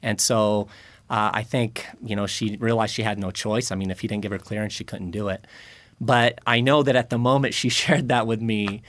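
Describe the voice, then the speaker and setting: Lowish-voiced man from Lebanon in his forties. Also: fairly even intonation, moderate pace, a bit bright, dry recording. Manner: earnest storyteller with light laughs and fillers. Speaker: radio guest, publishing president. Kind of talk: radio interview. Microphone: studio microphone.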